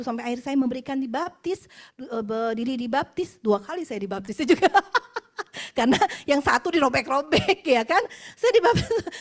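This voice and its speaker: A woman in her forties from West Java, giving a personal testimony sermon at an office worship meeting in a chatty, expressive way, dropping English phrases and laughing between points. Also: high voice. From West Java, Indonesia. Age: 40s.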